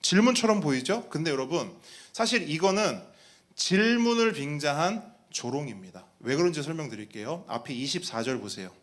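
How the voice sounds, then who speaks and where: A man's voice: a little high, animated, moderate pace, fairly bright tone. A man preaching a sermon as pastor, talking in a conversational way, putting questions to the congregation and acting out mocking voices.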